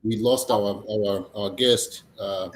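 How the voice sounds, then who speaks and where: A man from Tanzania, a comedian chatting casually as a guest, halting, with many fillers and restarts. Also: lowish voice, steady tone. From Tanzania, East Africa. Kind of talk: casual interview chat. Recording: echoey room, faint noise.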